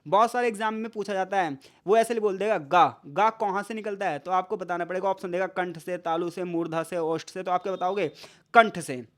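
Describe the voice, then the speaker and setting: Exam tutor going step by step, asks then answers, sounds out syllables slow, english words mixed in. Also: medium pitch, a bit bright. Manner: poses questions and answers them, sounds out syllables slowly; mixes English words into speech. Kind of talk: explanatory online lesson.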